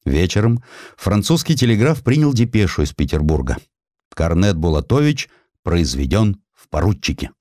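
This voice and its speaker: Deep-voiced, highly expressive male narrator. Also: moderate pace, dry recording, studio quality. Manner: expressive, theatrical storytelling. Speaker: audiobook narrator. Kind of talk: dramatized narration of a historical story.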